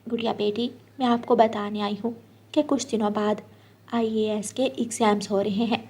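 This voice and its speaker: A woman's voice: on the high side, level tone, moderate pace, a little mellow, breathy edge. A woman voicing a generous, reassuring aunt bird in a cartoon story. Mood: encouraging.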